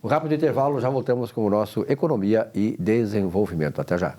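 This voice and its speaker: A man hosting a studio talk show, affable and quick with his guests. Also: lowish voice, very noisy.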